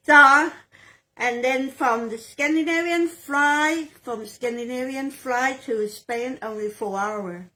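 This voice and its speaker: A woman in her sixties from Thailand with a Thai accent, a real estate sales agent answering interview questions in halting English, often repeating phrases as she looks for words. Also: sits high, bright, forceful tone, poor audio. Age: 60s.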